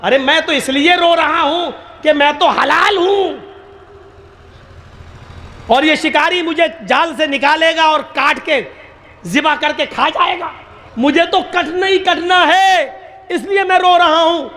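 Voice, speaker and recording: A man voicing a frantic male pigeon caught in a net, wailing and shouting complaints in a joke. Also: extremely high pitch, normal speed.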